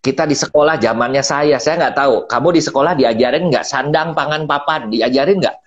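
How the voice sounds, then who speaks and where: Middle aged guy rambling on a live stream, animated, does the voices in his stories, kinda muffled audio. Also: mid-range voice, brisk. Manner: animated storyteller, acts out quotes, laughs often. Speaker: business speaker on a live stream. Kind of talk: casual motivational talk. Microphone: phone mic.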